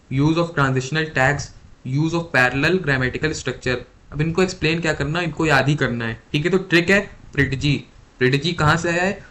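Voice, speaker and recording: A young male tutor talks through exam material on a close mic. His voice sits a little high. He repeats each definition slowly and keeps checking with questions. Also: fairly bright tone. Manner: repeats key definitions slowly, quizzing listeners. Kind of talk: Hindi-English exam lecture.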